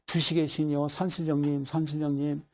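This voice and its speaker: A man's voice: a little high, flat delivery, a little fast, darkish tone, natural voice. A man doing a pleading, rustic ruined investor. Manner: pleading, then baffled and indignant, rustic dialect. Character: desperate middle-aged man who lost money.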